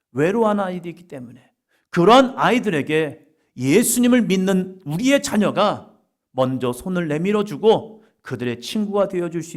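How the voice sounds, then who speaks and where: A man preaching a Sunday sermon as pastor, earnest, slowing down on key phrases and rising for emphasis. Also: on the high side. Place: church sanctuary.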